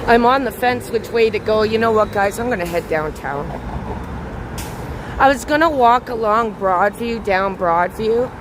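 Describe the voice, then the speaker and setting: Slow-talking hoarse woman live-streaming outdoors. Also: mid-range voice. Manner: chatty, greets chat viewers by name. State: slightly hoarse. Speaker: livestream host. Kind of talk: live walking vlog chatting with viewers. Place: outdoors on a city bridge at night with traffic. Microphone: handheld camera on a gimbal. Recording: outdoor street recording with clear traffic noise. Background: traffic noise.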